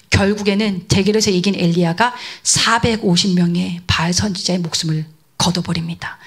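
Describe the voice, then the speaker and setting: A woman preaching to children in an animated storytelling sermon, asking the audience questions and answering them herself. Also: fairly high pitch.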